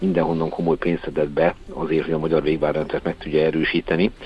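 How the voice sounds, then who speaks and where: Speaking at a very fast pace, a man with a very deep, low pitch is heard over noticeable background noise. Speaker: historian. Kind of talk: phone interview. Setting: phone call. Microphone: breaking up connection.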